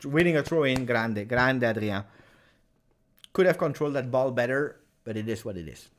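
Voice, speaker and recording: A man hosting a live match reaction, chatty and partisan, bursting into excited shouts at big chances. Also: medium pitch, normal speed, slight background noise. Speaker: fan channel match reaction host.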